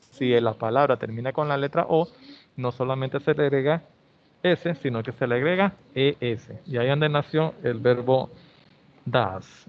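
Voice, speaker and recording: A male English teacher, explaining grammar in an online class and often checking in with "ok?". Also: mid-range voice. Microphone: video call. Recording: slightly dull video-call audio.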